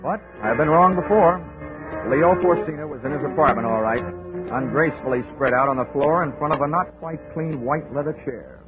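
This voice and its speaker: A man's voice: a little high, normal speed, lightly acted. A man playing a tough, wisecracking investigator in a 1940s radio drama, narrating in a wry, clipped, hard-boiled way. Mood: tense, wry narration. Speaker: lead actor and narrator of a radio detective drama. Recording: tinny 1940s radio recording, music behind.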